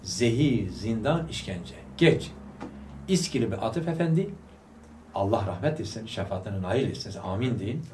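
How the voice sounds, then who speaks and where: A man's voice: lowish voice, big pitch swings, moderate pace, a little mellow, recorded from a distance, a little hiss or hum. A man giving a religious study talk to a gathering. He speaks fervently, fires rhetorical questions and prompts his listeners to answer aloud. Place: study hall of a religious school. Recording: echoey room, voice picked up from afar.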